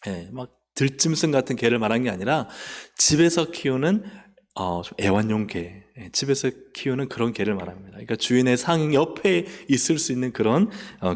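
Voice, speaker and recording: A man preaching a sermon as pastor. He acts out complaints in a raised voice and drops to soft, reverent tones. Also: mid-range voice. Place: church sanctuary. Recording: long church hall reverb.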